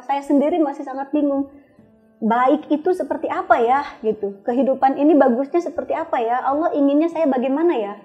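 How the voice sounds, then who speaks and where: Brief: woman interview guest, high and soft-toned, reflective storytelling, faint music under it. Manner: thoughtful, searching, frequent small restarts.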